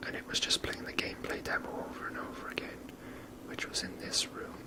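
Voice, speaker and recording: Whispered voice, ASMR game commentary, rambling, unhurried, soft unvoiced delivery. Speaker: game streamer.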